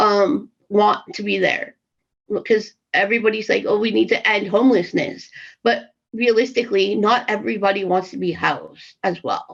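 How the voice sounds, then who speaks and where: With a Canadian accent, a woman talks at a moderate pace. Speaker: panelist with lived experience, outreach worker. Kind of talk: panel discussion. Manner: loud; halting, many fillers.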